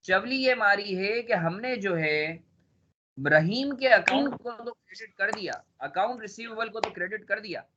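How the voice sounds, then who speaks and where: A man's voice: high voice, normal speed, highs cut off, noisy background. A male accounting teacher with a sore throat, lecturing a class in a teasing way and drilling students with repeated questions.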